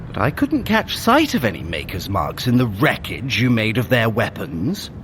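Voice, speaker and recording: Scheming trickster god, wry, fussy, theatrical, lively intonation, clear rumbling noise behind, audio drama. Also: male voice, moderate pace. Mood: musing.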